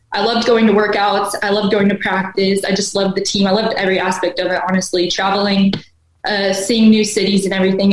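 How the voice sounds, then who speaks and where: With an American accent, a woman talks at a fairly quick pace at a medium pitch. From Colorado, Fort Collins. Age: 20s. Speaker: personal trainer, former college volleyball player. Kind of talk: podcast interview. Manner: casual, filler-heavy.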